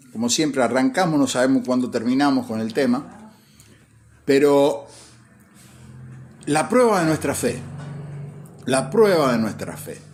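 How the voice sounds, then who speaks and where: A male pastor speaks in a slightly hoarse voice, as if his throat is tired. He teaches in an informal devotional style, repeating key phrases for emphasis. He often poses a simple question and then answers it himself. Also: medium pitch. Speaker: pastor hosting a devotional broadcast.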